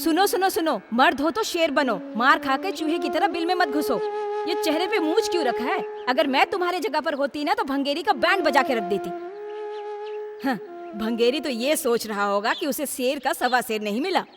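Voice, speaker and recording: Feisty high-voiced taunting woman actress. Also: moderate pace, over music, lightly acted. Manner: taunting, sassy. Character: feisty, mocking young village woman goading a man. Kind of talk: dubbed Indian film acting. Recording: reverberant, slightly noisy sound.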